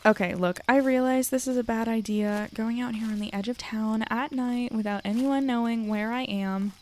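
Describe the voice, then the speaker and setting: A woman acting a curious young newspaper editor in an audio drama, chatty and wry, often thinking out loud. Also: a little high, steady tone, normal speed, slight background noise, close to an everyday voice. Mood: uneasy, musing. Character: curious, plucky young female newspaper editor, self-deprecating. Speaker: lead actor and narrator. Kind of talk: audio drama acting with first-person narration.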